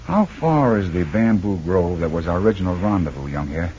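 An actor playing a commanding male jungle adventurer who leads a raid, giving brisk, clipped orders in 1940s radio style. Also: deep voice, lively intonation, darkish tone. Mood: steady. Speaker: squad leader. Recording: dull, hissy old radio recording.

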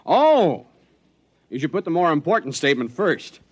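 An actor playing an injured, skeptical mountain climber with a brusque manner, in a radio drama. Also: male voice, a little high, big pitch swings, normal speed, slightly rough, no echo. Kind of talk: 1950s radio drama acting.

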